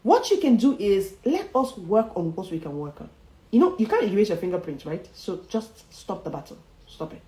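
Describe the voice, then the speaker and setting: A woman leads a motivational speaking lesson with emphatic repetition and frequent chuckles. Her pitch rises and falls in a lively way as she pushes each point. The sound carries a noticeable room echo. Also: moderate pace. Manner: emphatic, repeats key phrases, chuckles often. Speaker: public speaking coach. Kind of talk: motivational livestream teaching. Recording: roomy echo.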